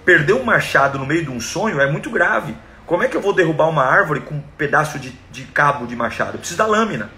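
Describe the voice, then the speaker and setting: A man's voice: fairly high pitch, expressive, quick pace, hardly any pauses, pushed and bright. A man preaching a sermon with a Brazilian Portuguese accent, emphatic and acting out quoted cries with drama.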